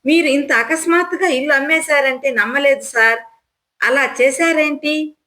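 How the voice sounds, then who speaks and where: Lady reading a calm husband, soothing and reasonable, high clear voice, storybook. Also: normal speed. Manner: soothing, persuading.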